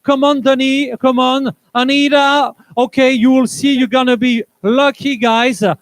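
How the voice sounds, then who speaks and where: A man hosting a live event on stage as an energetic emcee who hurries people along. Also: very high voice, unhurried, no room sound. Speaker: event host.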